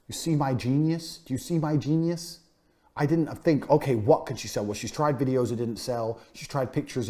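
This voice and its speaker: A man's voice: fairly low pitch, darkish tone. A man giving a motivational business lecture, blunt and boastful, swearing freely and hammering points home with repetition. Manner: punchy, emphatic repetition. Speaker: business course speaker.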